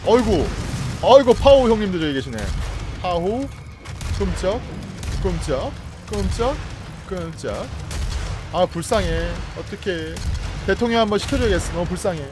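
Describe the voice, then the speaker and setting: A man's voice: sits high, expressive, unhurried, pauses often. A man streaming a video game, giving playful let's-play commentary and teasing and coaxing the enemies he fights. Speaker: gaming streamer. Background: game music and effects.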